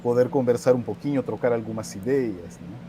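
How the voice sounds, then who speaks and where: A man from Peru in his forties, a native Spanish speaker with a Peruvian accent, giving an interview over a video call in a relaxed, somewhat hesitant way. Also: medium pitch, a little fast, slight background noise. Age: 40s. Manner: relaxed, hesitant, with filler sounds. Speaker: guest. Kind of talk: conversational interview.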